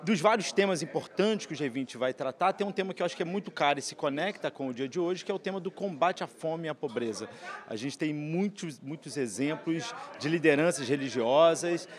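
A young man with a Brazilian Portuguese accent talks quickly and fluently as an official adviser. His voice is slightly high for a man. He speaks into a reporter's handheld mic. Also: expressive. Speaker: government adviser.

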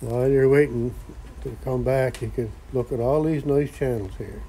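A man's voice: medium pitch, fairly even intonation, normal speed, warm tone, a little hiss or hum, poor audio. A man rambling in a folksy way while filming in his cluttered home workshop garage. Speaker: vlogger. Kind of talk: casual workshop vlog.

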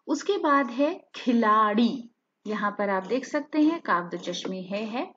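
A woman teaching a language lesson, spelling out words letter by letter in a slow, careful way. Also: mid-range voice, fairly bright tone, husky, muffled recording.

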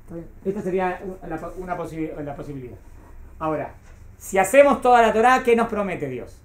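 A woman's voice: fairly low pitch, expressive, a little fast. Woman teacher in an echoey classroom. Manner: explains patiently, keeps checking if students follow. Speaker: Torah teacher. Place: classroom with a small group.

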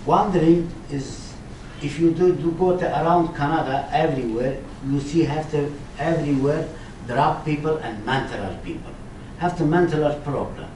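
A middle-aged man with a Kurdish accent, asking questions at a community meeting in halting, broken English. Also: a little high, a little mellow. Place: meeting room, seated around tables. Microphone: distant camera microphone. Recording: roomy, distant mic, noisy room.

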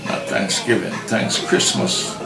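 A man giving a casual home cooking demonstration in his kitchen, repeating himself and affirming with frequent yeses. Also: measured pace. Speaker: home cooking channel host. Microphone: off-camera, hands only in frame. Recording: loud background music. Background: music.

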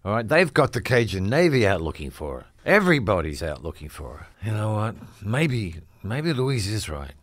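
A man's voice: on the low side, big pitch swings, moderate pace, few pauses, fairly bright tone, no room sound, clean studio sound. A man acting in an improvised radio drama as an anxious, exasperated small-town man who stammers and repeats himself. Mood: worried.

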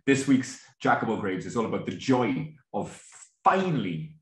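A man's voice: fairly low pitch, very animated, moderate pace. A man co-hosting a podcast, bantering wryly and hamming up the show's intro. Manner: wry banter, mock-grand show intro. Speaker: podcast co-host. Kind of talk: casual chat. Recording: roomy echo.

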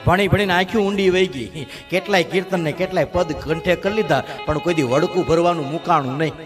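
A man's voice: fairly high pitch, brisk, over music, lightly acted. A man playing a revered male saint in a devotional story, speaking with earnest, pleading questions. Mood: heartfelt.

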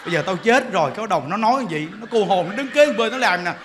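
A man, a Buddhist monk giving a sermon in an animated, joking way. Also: sits high, fast, background noise. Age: 40s.

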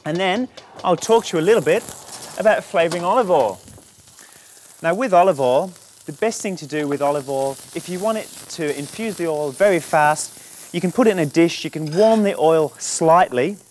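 In this cooking demonstration, an Australian chef talks through a dish step by step at normal speed, his voice a little high. His manner is relaxed, chatty and explanatory on the studio kitchen set, with slight background noise.

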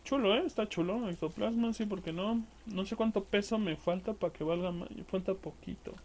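A man with a Mexican accent streams a game, his voice high, a little fast and a little mellow, with a faint hiss or hum. His let's-play commentary is casual, crude and full of slang, and he swears at the enemies as he goes.

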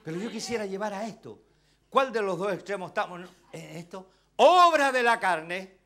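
Chilean pastor guy preaching, high voice, keeps asking the church questions, loud then quiet. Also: expressive, moderate pace. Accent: Chilean Spanish. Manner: impassioned, swinging between shouts and near-whispers; calls out to the congregation with rhetorical questions. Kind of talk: sermon.

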